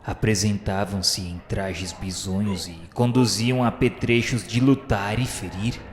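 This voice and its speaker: A man's voice: lowish voice, fairly even intonation. Echoing, solemn male narrator. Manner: measured, grave, formal. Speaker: narrator of a radio drama. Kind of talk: solemn literary scripted narration. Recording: long reverb over faint music. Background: faint music.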